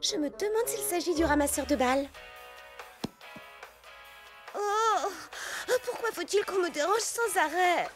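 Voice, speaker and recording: Earnest, excitable little cartoon heroine, very high voice, music underneath. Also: female voice, unhurried, long pauses. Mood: curious. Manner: earnest, expressive. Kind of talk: animated children's cartoon dub in French.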